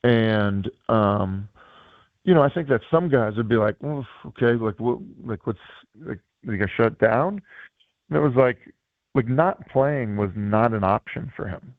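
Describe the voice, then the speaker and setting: A man with a hoarse, worn-out voice talks football as a guest coach, circling his points with endless fillers and restarts. His low, gravelly tone comes through a thin, tinny phone line. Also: measured pace, no room sound. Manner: rambling, many fillers and restarts. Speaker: guest analyst and high school coach. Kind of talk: casual sports radio chat.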